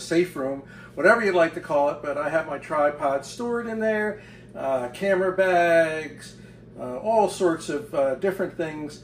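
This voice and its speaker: A man speaks at a moderate pace over light background noise, with room echo clearly audible. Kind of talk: casual tour narration. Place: home room.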